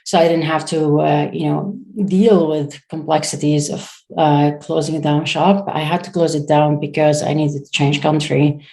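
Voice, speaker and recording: A woman in her thirties from Syria, a startup founder answering interview questions in a halting way, pausing often as she searches for words. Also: deep voice, little pitch movement, mellow.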